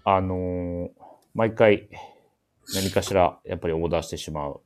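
Low-voiced male radio host. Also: normal speed, darkish tone. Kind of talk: casual talk show chat with event announcements.

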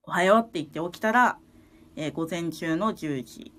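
A woman's voice: lowish voice, normal speed, a bit bright. A woman from Tokyo, a guest singer-songwriter, chatting casually and playfully with a close friend. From Tokyo, Japan. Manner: playful, laughs often, chatty. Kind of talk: casual chat.

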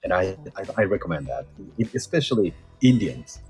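A man's voice: deep voice, sing-song, slow, over music. A man, an English teacher, talks casually on a live stream and gives test-study tips, switching between Japanese and English.

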